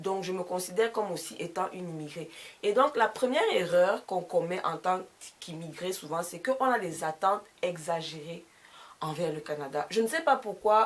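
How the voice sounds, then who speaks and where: A woman at a medium pitch, with lively intonation and big swings in loudness, over noticeable background noise. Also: moderate pace. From Cameroon. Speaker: YouTuber. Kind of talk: casual vlog talk. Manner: hesitant, many fillers.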